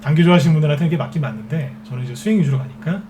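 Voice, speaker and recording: A man's voice: on the high side, racing, music in the background. A man giving a stock trading lecture as a market expert, who keeps asking rhetorical questions and answering them himself. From Seoul capital region.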